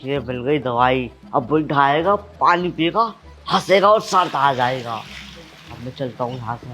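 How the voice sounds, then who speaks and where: Played by a young man, a smug village trickster mutters his plans to himself in a mid-pitched voice. Faint music runs behind him. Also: normal speed, close to an everyday voice. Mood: scheming. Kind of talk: village comedy sketch acting.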